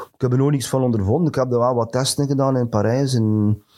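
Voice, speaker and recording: A man's dark, mellow voice in a West Flemish accent, with ordinary pitch variation. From Belgium, West Flanders (Ingelmunster). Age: 50s. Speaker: former pro cyclist. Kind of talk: casual chat.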